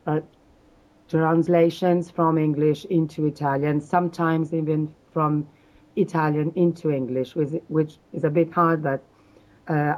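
A woman from South Africa with a low voice answers interview questions. She speaks hesitantly, pausing often and restarting her sentences. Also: a little mellow, muffled recording. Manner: hesitant, many fillers and restarts. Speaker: interview guest, exam candidate.

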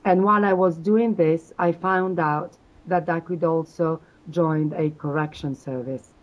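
A woman from South Africa with a low voice answers interview questions. She speaks hesitantly, pausing often and restarting her sentences. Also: fairly even intonation, muffled recording. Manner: hesitant, many fillers and restarts. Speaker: interview guest, exam candidate.

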